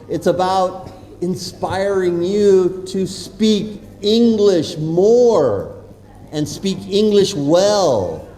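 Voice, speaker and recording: Slow, high-pitched American man in echoey hall. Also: darkish tone. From California, USA. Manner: playful, checking in often with questions. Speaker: guest speaker at a school. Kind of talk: interactive motivational talk to students. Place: large echoey room at a school. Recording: echoey hall with long reverb.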